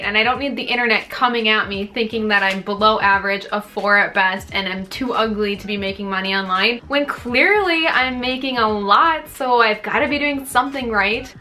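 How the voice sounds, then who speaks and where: A woman's voice: a little high, sharp tone. A woman in her twenties chatting casually as a video blogger, reading comments aloud and answering them with dry sarcasm. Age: 20s. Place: small bedroom, indoors.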